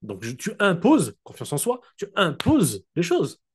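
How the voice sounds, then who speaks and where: A man coaching his network marketing team in a casual, direct motivational talk. He keeps checking that listeners follow him and slows down to dictate key points, speaking into a computer mic on a video call. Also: high-pitched, huge pitch swings, breathy edge.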